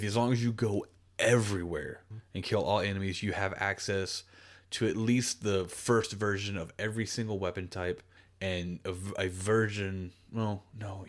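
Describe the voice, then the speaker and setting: A man co-hosting a casual gaming podcast, rambling and animated, often restarting his sentences. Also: deep voice. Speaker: podcast co-host.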